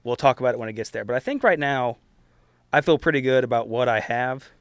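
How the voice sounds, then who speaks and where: Casual man at middle pitch, dry sound. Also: quick pace, clear, resonant tone, no echo. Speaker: tabletop game player and podcast co-host. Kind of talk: casual chat.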